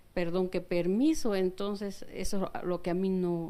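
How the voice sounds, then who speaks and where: A woman talks at a very slow pace with fairly even intonation. Her tone is dark and mellow. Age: 60s. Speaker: studio audience participant. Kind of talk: testimony. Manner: halting.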